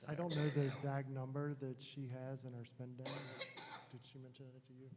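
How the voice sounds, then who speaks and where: A man's voice: medium pitch, little pitch movement, a little fast, in a large hall, heavy background noise. A man at a board meeting explaining figures in a plain, matter-of-fact way, his voice muffled and distant as if coming through a wall. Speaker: staff member answering a school board. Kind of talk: meeting discussion.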